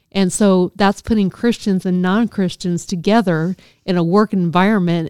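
A woman with an unremarkable speaking voice talks at a moderate pace and medium pitch, with fairly even intonation and a dry, close sound with no echo. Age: 30s. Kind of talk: casual chat.

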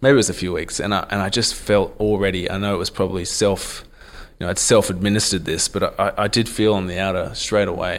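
Talking very fast in a flat monotone, a man with a fairly low voice is heard on a very clean recording with a silent background. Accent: Australian. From Australia. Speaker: retired professional rugby player. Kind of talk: interview. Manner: halting.

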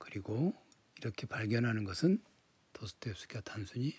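At a fairly quick pace, a man speaks in a somewhat breathy voice. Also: dry, close sound with no echo. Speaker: literature lecturer reading a book aloud. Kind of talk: book reading with lecture-style commentary. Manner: reflective, with frequent hesitations.

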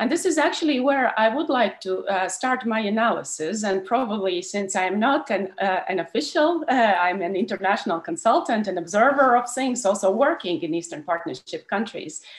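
A woman's fairly high voice with very wide pitch swings over noticeable background noise. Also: moderate pace. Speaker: former parliamentarian. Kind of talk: panel remarks.

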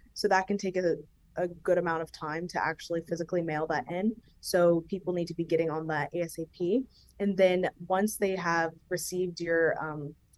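An ordinary speaking voice, a woman's fairly low pitch with an American accent, at a moderate pace with fairly even intonation. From US, Georgia. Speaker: student voter registration volunteer. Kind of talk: casual interview. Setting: video call.

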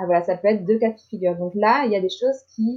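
This woman's voice sits fairly high and is somewhat breathy. Her pitch varies in an ordinary way as she speaks at a moderate pace. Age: 40s. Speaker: theta healing practitioner. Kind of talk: casual interview chat.

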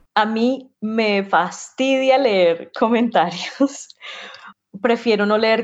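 A woman talks with ordinary pitch variation in a fairly high voice. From Colombia. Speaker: opera singer. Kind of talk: interview. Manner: halting, frequent word repetitions.

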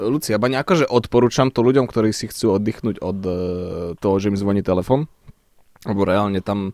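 Dry and close with no echo, the recording has a man with an unremarkable speaking voice talking at a fairly quick pace, his pitch fairly low and his intonation fairly even. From Czech Republic (Hulín), moved to Slovakia at ten. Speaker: podcast sound technician and musician. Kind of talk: casual chat.

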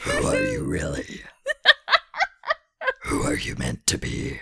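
With a menacing tone, the put-on character voice is raspy and very deep, moving at a fairly slow pace.

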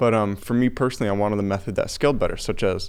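A man speaks at a very fast pace. His voice carries vocal fry. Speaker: podcast host. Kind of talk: casual interview. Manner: casual.

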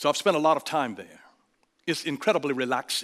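Very fast and bright, sharp in tone, a man talks with a Southern US accent at a fairly high pitch. His pitch varies in an ordinary way, and the recording is very clean with a silent background. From US state of Georgia. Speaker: pastor. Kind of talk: sermon. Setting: church.

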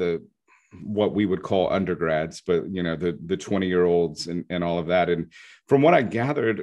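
This man's voice sits very deep and low, moving at a moderate pace. His pitch varies in an ordinary way against a quiet background. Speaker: Greek and Latin teacher, podcast co-host. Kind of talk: casual podcast chat.

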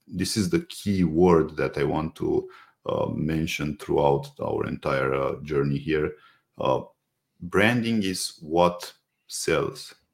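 In a Romanian accent, a man talks at a very slow pace. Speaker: e-commerce entrepreneur and Amazon seller consultant. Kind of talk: casual interview. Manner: halting, searching for words.

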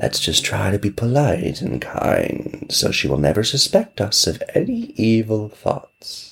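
Put-on character voice at a fairly slow pace, with hardly any pauses. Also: man. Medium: read story. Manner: sly, coldly calculating, then softly menacing.

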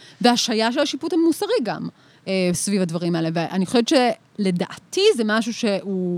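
With noticeable background noise, a woman talks at a moderate pace and medium pitch, her voice swinging very widely in pitch. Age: 30s. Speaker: journalist. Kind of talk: casual chat.

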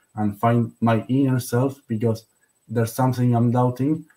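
Dark and mellow in tone, the voice carries an Argentine accent at a moderate pace. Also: man. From Argentina. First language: Spanish. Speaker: caller. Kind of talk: call-in advice question. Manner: halting non-native phrasing.

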